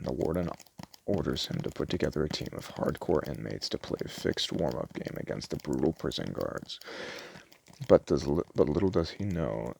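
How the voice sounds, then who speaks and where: A man talking casually in an ASMR shop roleplay, rambling and halting, often trailing off as he recommends and reads out descriptions. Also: darkish tone. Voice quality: very deep, gravelly, creaky. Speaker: ASMR roleplay creator playing a video store clerk.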